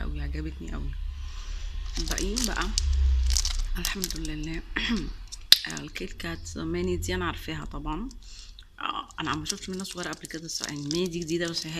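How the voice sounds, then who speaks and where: A woman's voice: deep voice, noisy background. A woman with an Egyptian Arabic accent chatting casually on her vlog as she tastes sweets, gushing and repeating words for emphasis and sprinkling in English and French words. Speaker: vlogger. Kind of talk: casual taste-test chat.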